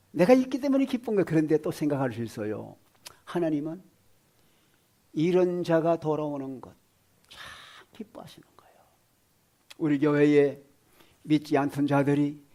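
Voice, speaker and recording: In his sermon, a male pastor keeps questioning the congregation, his fairly high voice swinging from loud exclamations down to hushed whispers.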